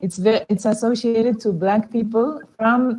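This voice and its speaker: A somewhat breathy voice with a dark, mellow tone speaks in a Mexican accent. The pace is fairly slow and the pitch varies an ordinary amount. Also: woman. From Mexico. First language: Spanish. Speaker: film director. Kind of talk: interview Q&A. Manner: halting, searching for English words.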